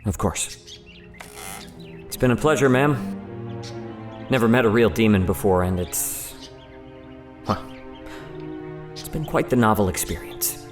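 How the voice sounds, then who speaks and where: A man's voice: fairly low pitch, slow pace, pauses often, over music. A man playing an earnest, inquisitive research doctor in an audio drama, polite and precise but slightly awkward. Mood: deferential.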